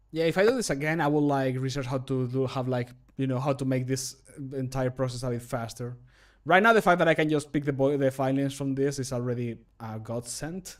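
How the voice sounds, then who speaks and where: A man in his thirties chatting casually on a livestream, rambling and easily sidetracked, recorded at a desk microphone in a small room. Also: medium pitch. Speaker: livestreamer and mod maker. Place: small closed room at home. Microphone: microphone at a desk, streaming.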